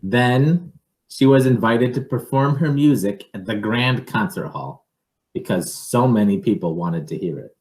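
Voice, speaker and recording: A man reading a picture book aloud to children in an expressive, measured way, with informal asides. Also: lowish voice, reverberant, poor audio.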